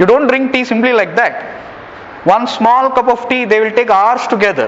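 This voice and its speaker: A man with an Indian accent speaks at a moderate pace in an extremely high pitch, with noticeable background noise. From India, coastal Karnataka (Tulu-speaking). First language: Tulu. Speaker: university lecturer. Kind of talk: lecture. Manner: conversational, interactive.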